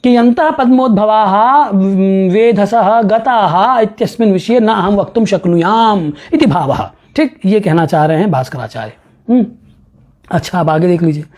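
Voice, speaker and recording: His voice high and animated with a darkish quality, a male professor works through a classical astronomy text, first reading verses unhurriedly, then explaining them with rhetorical questions and amused asides.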